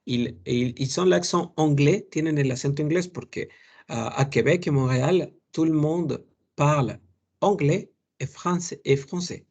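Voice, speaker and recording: Man, French tutor, raspy, gravelly, patient explaining, lots of fillers. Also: on the high side, darkish tone. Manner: explains patiently, imitates accents, halting with many fillers. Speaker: French teacher.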